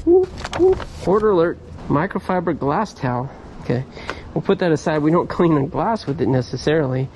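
A man vlogging casually as he sorts through a storage locker, chatty and upbeat with excited exclamations. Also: a little high, vocal fry. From California, USA. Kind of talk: casual chat to camera while sorting boxes. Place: outdoors at a storage unit row. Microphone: head-mounted camera. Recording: outdoor noise behind.

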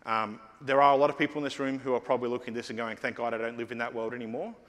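A man's voice: mid-range voice, level tone, rapid-fire, fairly bright tone. Man giving a conference keynote. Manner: conversational, many fillers and restarts. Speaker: keynote speaker. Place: large conference hall stage. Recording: long hall reverb.

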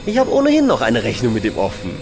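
A man acts a cocky, wheeling-dealing space captain in a comedy radio play. His highish voice leaps extravagantly up and down, theatrical and exclamatory. It rings with echo over music. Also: huge pitch swings, fast. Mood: scheming. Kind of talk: comedy audio drama acting. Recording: echoey hall reverb, music behind.

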